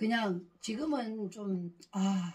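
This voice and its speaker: Her voice has a dark, mellow tone and is somewhat breathy, and this woman's intonation is lively. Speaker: fasting practitioner. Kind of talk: casual chat.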